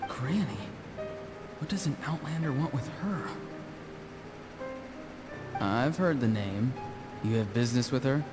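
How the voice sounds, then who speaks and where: Guy playing odd quiet young game character, earnest n plain spoken, medium pitch, music behind. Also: expressive, measured pace, long pauses, close to an everyday voice. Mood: guarded, puzzled. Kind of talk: video game voice acting.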